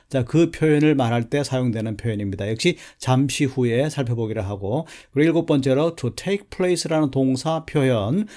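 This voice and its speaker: A man gives a steady lesson on English news vocabulary. His voice is dark and mellow, sitting a bit high. He slows right down to read English examples word by word, then explains each one. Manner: measured, repeats a filler before each point, reads English examples slowly.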